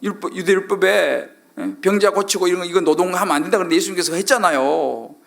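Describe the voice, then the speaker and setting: A man's voice: high voice, quick pace, vocal fry, fairly bright tone. A middle-aged male pastor preaching a sermon, constantly asking the congregation questions and acting out quoted lines.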